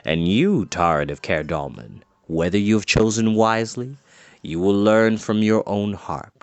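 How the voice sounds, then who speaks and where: Man putting on a deep, slow, solemn old sage. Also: no echo. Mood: solemn farewell. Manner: slow, grave, deliberate.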